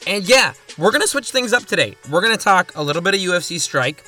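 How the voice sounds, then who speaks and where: A man hosting his own sports podcast, chatting casually with joking asides and quick rundowns. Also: high-pitched, big pitch swings, sharp tone, faint music behind. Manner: chatty, jokey asides, rapid topic rundowns. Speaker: podcast host.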